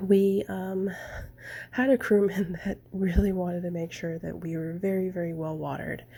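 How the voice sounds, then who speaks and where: Somewhat breathy and dark, mellow in tone, a woman speaks at medium pitch with fairly even intonation. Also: moderate pace. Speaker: travel vlogger. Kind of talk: casual vlog narration. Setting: airport lounge. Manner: soft-spoken; hesitant, many fillers.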